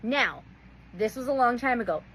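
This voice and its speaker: A woman's voice: a little high, animated, moderate pace, fairly bright tone, breathy edge, poor audio. A young woman hosting, telling funny stories in casual chat and laughing often. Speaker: host.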